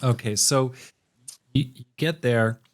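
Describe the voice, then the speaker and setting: A man hosts a podcast, putting questions to his guest in an easy, conversational way. His voice sits at an ordinary middle pitch, and he sometimes stumbles and restarts as he phrases a question. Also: steady tone, slow pace, slight background noise. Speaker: podcast host. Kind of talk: casual interview.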